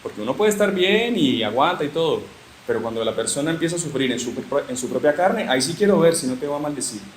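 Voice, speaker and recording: A man with a Uruguayan accent gives a teaching talk, retelling scripture as a lively storyteller with joking asides. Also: a little high, quick pace. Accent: Uruguayan Spanish. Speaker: religious formation speaker. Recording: echoey room with faint hiss.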